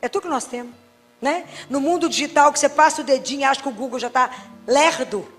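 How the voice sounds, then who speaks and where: Lively woman preaching. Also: high-pitched, fast talker. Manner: lively, emphatic, acts out dialogues. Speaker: Christian speaker and pediatrician. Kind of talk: faith talk with storytelling. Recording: reverberant hall with faint music.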